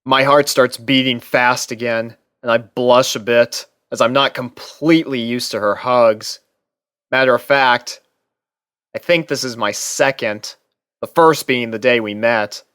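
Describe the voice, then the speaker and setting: A man's voice: medium pitch, fairly even intonation, a little slow, a bit bright, clean tone, dry recording, clean studio sound. A man reading scripted first-person fiction aloud as a story narrator. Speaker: narrator and reader.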